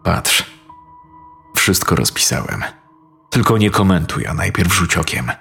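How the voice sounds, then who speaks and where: A man's voice: deep voice, lively intonation, unhurried, gravelly, pushed and bright, slightly rough, faint music behind, full character voice. A man voicing a young man, an old school friend who talks in a conspiratorial, coarse way.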